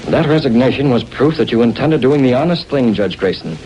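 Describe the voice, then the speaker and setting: An actor playing a masked crime-fighter in a 1930s radio drama, speaking in a calm, clipped, menacing way. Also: male voice, mid-range voice, a little fast, natural voice, low-quality recording. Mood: commanding. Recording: old radio transcription with faint hiss.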